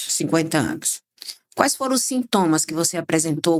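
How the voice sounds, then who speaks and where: A woman with an unremarkable speaking voice, fairly low pitch and lively intonation. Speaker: doctor, podcast host. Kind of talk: interview question.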